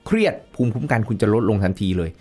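A man's voice: fairly low pitch, expressive, racing, a little mellow, slightly rough, soft background music. A man who is a nutrition expert, explaining as an interview guest in a casual, lecturing way, dropping in English technical terms.

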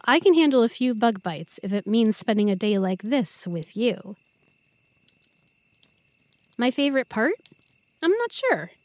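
A woman's voice: high voice, no room sound. A woman playing an affectionate, earnest young girlfriend in an intimate, chatty roleplay audio drama. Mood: cheerful, content. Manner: tender, chatty, playful.

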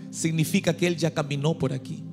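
A middle-aged man from Chile with a Chilean Spanish accent, preaching a humorous sermon into a handheld mic on a church stage and urging the crowd to shout. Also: on the high side, steady tone, moderate pace, vocal fry. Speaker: guest pastor. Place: large dark church stage. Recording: long hall reverb with music behind.

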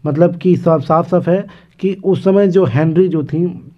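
A man teaching an exam lesson on English literature, reading English passages slowly and explaining them with many hesitations. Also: a little high. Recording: dull lo-fi recording.

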